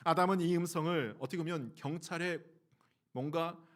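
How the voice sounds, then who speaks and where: A South Korean pastor delivers a Sunday sermon in a fairly high voice at normal speed. He poses questions to the congregation and shifts his voice to act out quoted lines, with fillers and restarts along the way.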